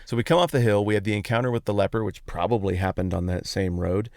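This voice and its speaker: A man's voice: fairly low pitch, fast, darkish tone, no echo, studio quality. A man hosting a podcast, giving a casual, conversational Bible teaching talk in informal, explanatory language. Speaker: podcast host.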